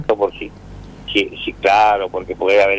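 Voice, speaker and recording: There is noticeable background noise. A man speaks over it at a fairly slow pace. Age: 80s+. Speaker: amateur radio operator. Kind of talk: interview answer.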